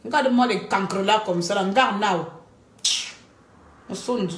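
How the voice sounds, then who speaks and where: A woman talking to her viewers in a live-stream monologue, animated, scolding and joking by turns. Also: medium pitch, a little slow. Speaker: livestreamer. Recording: echoey room.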